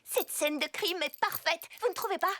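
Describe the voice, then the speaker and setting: A woman's voice: very high voice, moderate pace. A woman voicing a bossy, sarcastic, enthusiastic young girl in a French cartoon dub. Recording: loud music behind the voice.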